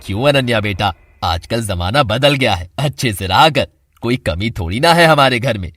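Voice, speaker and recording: A woman lowering her voice to play a kind, caring middle-aged father in an animated story. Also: moderate pace, heavily acted. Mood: fatherly. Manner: gentle, fatherly.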